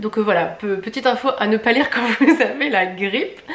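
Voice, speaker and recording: Ordinary pitch variation comes through alongside audible room echo. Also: woman. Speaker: book YouTuber. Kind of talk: book review vlog. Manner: hesitant, many fillers. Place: home room.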